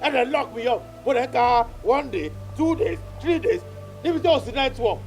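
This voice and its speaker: A man's voice: extremely high pitch, expressive, normal speed, soft background music. An actor with a Nigerian accent playing an exasperated king who rants and complains, mixing Yoruba and English. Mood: complaining.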